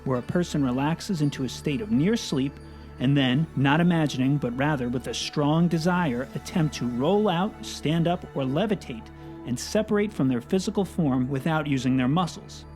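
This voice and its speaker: A man's voice: fairly high pitch, moderate pace, faint music behind. A man hosting a podcast, chatting casually and narrating between stories. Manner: relaxed, conversational, uses filler words. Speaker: podcast host.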